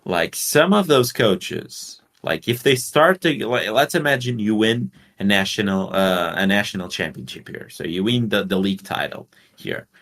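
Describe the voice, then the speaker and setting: A man's voice: fairly low pitch, lively intonation, normal speed, few pauses, fairly bright tone. A man from Portugal co-hosting a casual sports podcast, talking bluntly with swearing and rambling explanations. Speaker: podcast co-host.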